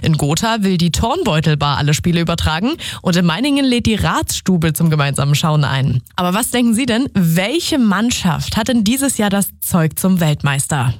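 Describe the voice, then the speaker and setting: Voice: mid-range voice, very animated, normal speed, no room sound. A radio presenter hosting a regional news show, chatty and upbeat, talking straight to the listeners from the studio. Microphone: studio microphone.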